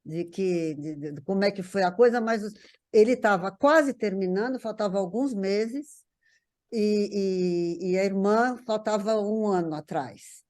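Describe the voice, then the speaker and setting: An older woman reminiscing in casual conversation, haltingly, often repeating words as she searches for phrasing. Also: mid-range voice, a little mellow. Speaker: guest recalling a parent's life.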